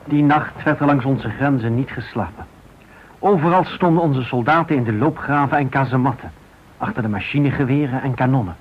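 A man narrating a radio drama solemnly, in deliberate, dramatic short phrases. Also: mid-range voice, a little hiss or hum. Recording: dull radio recording.

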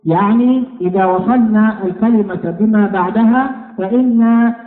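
A man teaching a recorded lesson on Quran recitation rules, explaining slowly, repeating key phrases and sounding out example words. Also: high voice. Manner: slow, deliberate explaining, repeating key phrases and demonstrating pronunciations. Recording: echoey hall over a tinny phone-like line.

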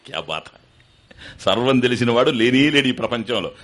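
A man's voice: mid-range voice, expressive, normal speed, a bit bright. A man giving a spiritual sermon, asking rhetorical questions and chanting verses. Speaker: spiritual teacher giving discourse. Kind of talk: sermon on scripture.

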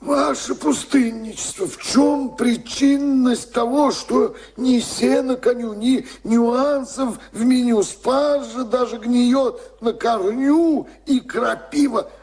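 An actor playing an anxious petitioner in a radio play, speaking ceremonious, plaintive verse. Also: male voice, very high voice, slow pace, hardly any pauses, a little mellow, a little hiss or hum, voice pushed up, full character voice. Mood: anxious pleading. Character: anxious male petitioner seeking advice from a hermit.

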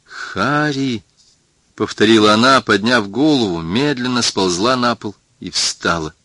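A man reading a novel aloud as an audiobook narrator, telling the story in a measured, even way. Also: fairly low pitch, no room sound.

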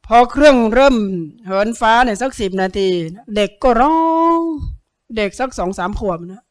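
A man's voice: very high-pitched, expressive, moderate pace, clear, resonant tone. A Buddhist monk giving a sermon, telling stories, acting out the people in them and putting questions to his listeners. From Thailand. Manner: storytelling, acts out quoted people, asks listeners questions.

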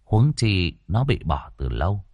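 Man playing a gruff young ghost-hunter, deep, calm, dry close sound. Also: no room sound, exaggerated voice. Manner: low, unhurried, dry reassurance.

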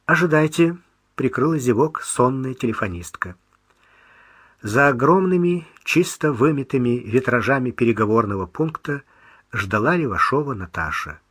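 A man's voice: mid-range voice, fairly bright tone, husky, dry recording. A man reading a novel aloud as audiobook narrator, telling the story expressively. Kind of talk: scripted narration.

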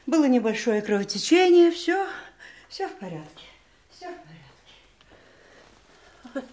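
Актриса играет медсестру, которая торопливо и настойчиво всех успокаивает. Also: female voice, high voice, sing-song, mellow, a little hiss or hum. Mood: reassuring. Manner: hurried, soothing, insistent. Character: bustling reassuring female nurse. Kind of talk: 1980s stage radio play acting.

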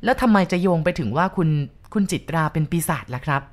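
A polite young man voices his doubts with question after question, read by a woman telling a story. His tone is courteous but skeptical, pitched somewhat low. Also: lively intonation, quick pace, lightly acted.

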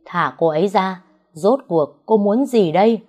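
A woman's voice: fairly low pitch, moderate pace, warm tone, natural voice. A woman reading the lines of a protective young man who speaks urgently.

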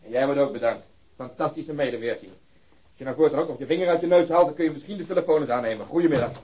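A man's voice: fairly high pitch, fast, a little mellow, recorded from a distance, slight background noise, natural voice. An actor playing an impatient, sceptical policeman in a radio drama, curt and sarcastic. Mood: irritated, sarcastic.

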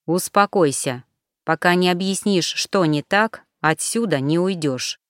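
A tired young man, as a woman reader puts him on, presses for answers in a low-key, insistent way. The tone stays smooth and close, with a dry, clean sound. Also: measured pace, fairly bright tone, dry recording. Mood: weary. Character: weary bewildered young man, trying to stay calm.

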